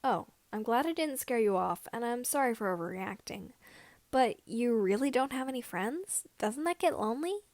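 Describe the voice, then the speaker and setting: A woman reading the part of an eager, earnest seventeen-year-old boy mechanic, chatty and excitable, in a fan fiction story. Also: fairly high pitch, moderate pace, dry recording.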